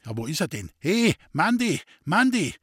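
A man's voice: on the low side, lively intonation, racing, husky, no room sound, studio quality. A man voicing an angry old farmer who talks in Bavarian dialect and curses. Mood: furious. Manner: blustering, cursing.

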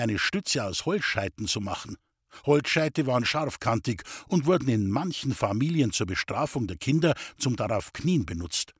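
A man from the Bavarian Forest reading aloud from his own childhood memoir in an even, unhurried storytelling manner. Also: medium pitch, husky, no echo, clean studio sound. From Bavarian Forest, Germany.

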